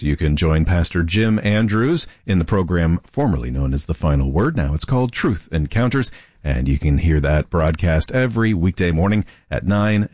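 A man's voice: low-pitched, darkish tone, dry recording, clean studio sound. A man reading station announcements in a dense, full radio announcer delivery.

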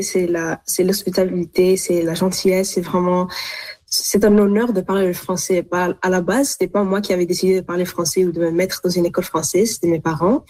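A teenage girl, a high school student whose first language is Arabic, answering interview questions earnestly and repeating words as she searches for them. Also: dark tone. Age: teens. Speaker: student guest.

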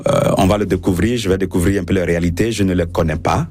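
A man's voice: low-pitched, steady tone, fast talker, darkish tone. A French-speaking man, a priest, answering radio interview questions with many fillers and restarts.

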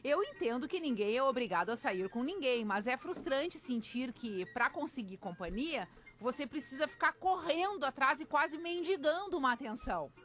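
A woman co-hosts a radio talk show, her voice pitched high. She reads the listener's letter slowly and deliberately, then trades quick remarks with the men around her. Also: expressive, fairly bright tone. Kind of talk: casual radio chat.

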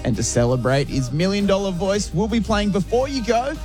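A man's voice: high-pitched, a little fast, darkish tone, soft background music. A man with an Australian accent presenting on radio in an upbeat announcing style.

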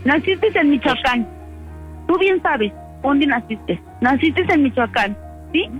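A woman's voice: high-pitched, lively intonation, takes it slowly, soft background music. A tearful woman, a mother on the phone, pleading anxiously and repeating herself. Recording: tinny phone line.

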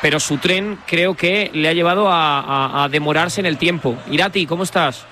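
Guy hosting sports radio, bright voice, easygoing banter, faint noise behind. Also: a little high, moderate pace. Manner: easygoing, bantering, steers the talk. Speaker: radio sports show host. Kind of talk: casual radio chat.

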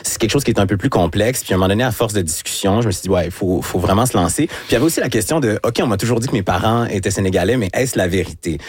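A man in his thirties from Quebec with a Québécois French accent, answering interview questions in a thoughtful, measured way. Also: fairly low pitch, slightly rough. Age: 30s. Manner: thoughtful, measured, often pausing with fillers. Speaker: radio host as guest. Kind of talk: relaxed interview talk.

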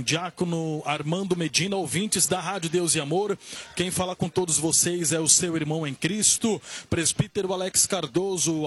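A man's voice: sits high, breathy edge. A man reporting live for church radio from a temple entrance, fervent and proclaiming. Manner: fervent, proclaiming, sometimes sing-song. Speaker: church elder, field reporter.

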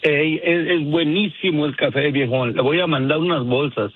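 A man from Jalisco calling in to a radio show, a little hoarse, easygoing and friendly. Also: fairly high pitch, normal speed, a crowd in the background. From Jalisco, Mexico. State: a bit hoarse. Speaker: radio caller. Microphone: phone. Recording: dull phone line.

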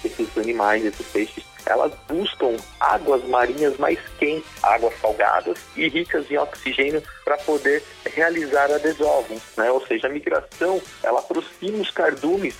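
A man's voice: fairly high pitch, lively intonation, moderate pace, vocal fry, few pauses, soft background music. A man, a marine biologist, answering a listener's question in a recorded explanation.

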